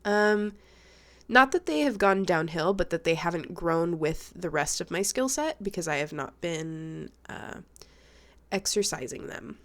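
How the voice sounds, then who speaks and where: A woman's voice: lowish voice, animated, a little slow. A young woman vlogging about her art in a casual, chatty, self-deprecating way, her voice congested and sniffly from a cold. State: stuffed-up nose from a cold. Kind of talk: casual chat.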